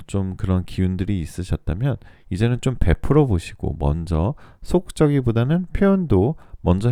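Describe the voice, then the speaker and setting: Deep, soft-spoken male tarot reader. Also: smooth, no echo, studio quality. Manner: soothing, polite, measured delivery meant to lull listeners to sleep. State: recovering from a heavy sore-throat cold. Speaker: tarot reader and channel host. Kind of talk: gentle radio-like tarot reading, addressing listeners.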